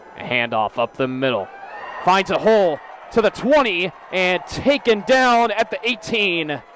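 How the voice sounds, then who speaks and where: Over noticeable background noise, a man speaks at a fairly slow pace in a high pitch, with very wide pitch swings. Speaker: high school football play-by-play broadcaster. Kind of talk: live sports play-by-play commentary.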